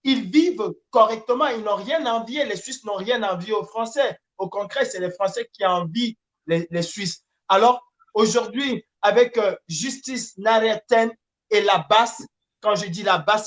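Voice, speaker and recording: A man's voice: high voice, a little slow, a bit bright. A man with a Francophone Cameroonian accent making an impassioned political appeal, emphatic and repetitive, sometimes hesitating as he searches for words. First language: French. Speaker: activist and campaigner.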